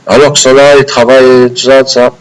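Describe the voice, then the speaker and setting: A man's voice: on the low side, very animated, poor audio. A man voicing the prophet Moses as an indignant grown man who fires off protesting questions. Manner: exclaiming, rapid pleading questions.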